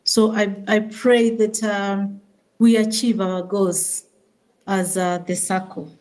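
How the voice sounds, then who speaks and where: A woman's voice: mid-range voice, flat delivery, takes it slowly, darkish tone. Hesitant woman giving blessings. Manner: hesitant, many fillers, preacher-like blessings. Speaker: SACCO CEO addressing members remotely. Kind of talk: formal speech with prayers. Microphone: remote link into the meeting.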